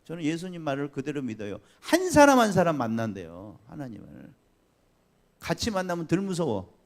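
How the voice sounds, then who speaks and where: A man preaching a Sunday sermon as pastor, chatty and lively, asking the congregation questions and laughing along. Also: a little high, normal speed. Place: church sanctuary.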